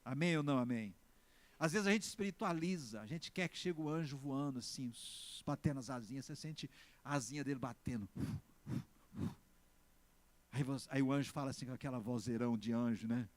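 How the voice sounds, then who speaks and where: With a mid-range voice and a Brazilian Portuguese accent, a male pastor gives a sermon. He's emphatic, alternating shouted exclamations with slow, deliberate stress, and often asks the congregation to respond.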